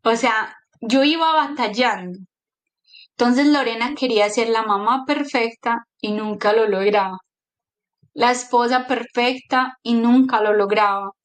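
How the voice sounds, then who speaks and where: A middle-aged woman shares a personal faith testimony. She talks with earnest emotion and acts out the people in her story. Her voice sits a little high. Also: unhurried. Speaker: guest giving a testimony.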